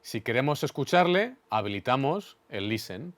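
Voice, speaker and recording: A man with a Spain Spanish accent teaches in a didactic, orderly manner. His voice sits at an average male pitch. The sound is dry, with very little room around it, as he walks the listener through a demonstration. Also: sing-song, moderate pace, fairly bright tone, dry recording. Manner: clear, methodical, didactic. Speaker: instructor explaining studio equipment. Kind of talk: instructional demonstration.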